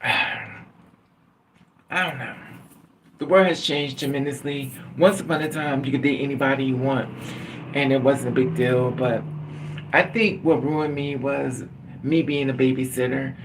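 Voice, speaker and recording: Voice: medium pitch, fairly even intonation, a little slow, long pauses, background noise. A middle-aged livestream host chatting casually and candidly with viewers, laughing often and calling on them by name.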